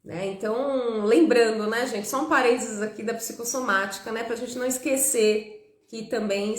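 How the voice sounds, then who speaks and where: A woman psychologist in her thirties, talking casually to live viewers, adding frequent tag questions and greeting them by name. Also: fairly high pitch. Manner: chatty, warm asides, frequent "né?" tags, laughs with viewers. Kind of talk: live-stream talk to viewers. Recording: echoey room.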